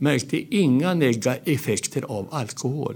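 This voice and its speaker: A man's medium-pitched voice carries vocal fry. His pitch swings very widely. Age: 70s. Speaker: retired recovering alcoholic. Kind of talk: testimony.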